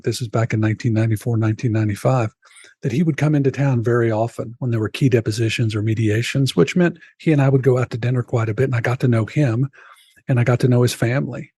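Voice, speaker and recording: A man's voice: mid-range voice, mellow, breathy edge, no echo, clean studio sound. A man in his sixties, a guest on a podcast, earnestly telling a personal story and now and then addressing the host by name.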